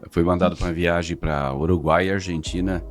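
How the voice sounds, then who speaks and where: A middle-aged man, giving an earnest, halting religious testimony as a podcast guest. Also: low-pitched, steady tone, faint music behind. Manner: earnest, halting, restarts words.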